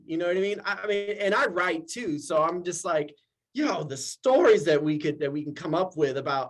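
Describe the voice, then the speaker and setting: A man in his forties, a guest actor in a casual interview, talking with eager, animated energy and frequent laughter. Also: on the high side. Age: 40s. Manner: excitable and animated, laughs often.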